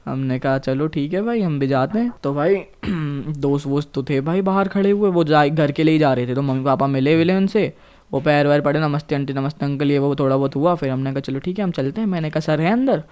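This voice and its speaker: A man's voice: fairly high pitch, fairly quick, smooth. A young man in his late teens from Bhopal, India, telling a school story in casual podcast chat, cursing a lot and slipping English phrases into his talk. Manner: profane, animated, mixes English phrases into Hindi. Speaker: podcast co-host.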